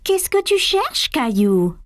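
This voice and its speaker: A kind, patient cartoon mom. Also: female voice, high-pitched, sing-song, slow, heavily acted. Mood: encouraging. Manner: soothing, encouraging. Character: kind patient young mother.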